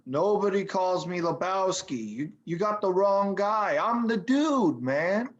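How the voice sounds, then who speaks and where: A man's voice: high-pitched, animated, a little slow. A man playing a laid-back but indignant stoner slacker, hesitant and slangy, in a table read. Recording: dull, muffled online-call audio.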